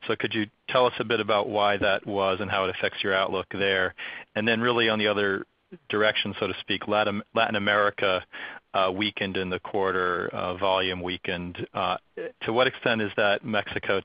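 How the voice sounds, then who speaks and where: A man's voice: low-pitched, flat delivery, brisk, dry recording. A man speaking as a financial analyst, politely putting questions on an earnings call. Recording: dull, dry phone line.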